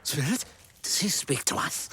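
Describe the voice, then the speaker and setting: A man's voice: normal speed, pushed and bright, slight background noise, natural voice. A man playing an anguished old miser, pleading urgently and breathily in a theatrical radio drama. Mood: troubled. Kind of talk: theatrical radio play acting.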